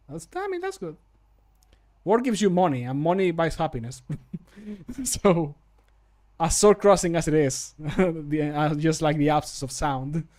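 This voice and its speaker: Higher-pitched man chatting on stream. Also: a little mellow. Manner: jokey, self-deprecating, sweary. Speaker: streamer recording mod voice lines. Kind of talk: casual livestream chat. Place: indoor home room.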